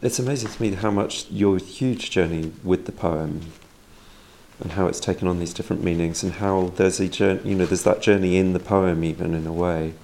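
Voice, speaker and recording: A man's voice: low voice, fairly even intonation, moderate pace, creaky, mellow, slight background noise. A man interviewing in a reflective literary conversation, tentative and appreciative, rephrasing as he goes. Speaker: podcast interviewer. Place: in-person conversation at an institute.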